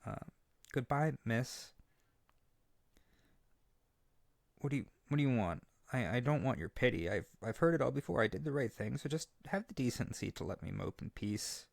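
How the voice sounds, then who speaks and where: A man performs a young harpy boy in an intimate roleplay audio drama. He is lovesick and earnest, tripping shyly over his words as he speaks tenderly to the listener. The voice is mid-pitched and husky with some creak. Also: lively intonation, fairly quick, no echo, clean studio sound. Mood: mopey, resigned. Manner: hesitant, stammering, tender and earnest.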